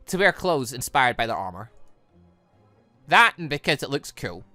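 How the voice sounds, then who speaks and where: Male gaming host, lively swooping delivery, slightly high voice, close dry sound, trips over words. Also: dry recording. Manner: stumbles over words and corrects himself. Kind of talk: visual novel read-aloud with off-the-cuff commentary.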